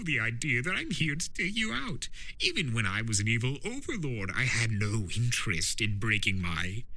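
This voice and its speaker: A man's voice: medium pitch, sharp tone, exaggerated voice, rough recording. A man voicing a mischievous chaos spirit from a cartoon, theatrical and swooping in delivery. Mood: amused, smug. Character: mischievous male chaos spirit, mocking yet remorseful. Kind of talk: dramatic fan fiction reading of a cartoon trickster.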